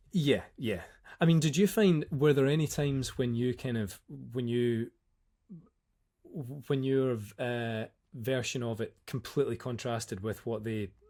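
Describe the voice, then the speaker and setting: Speaking with a Scottish accent, a man at medium pitch with ordinary variation talks at a fairly slow pace, with long, frequent pauses and a dark, mellow tone. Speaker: voice actor. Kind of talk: casual interview chat.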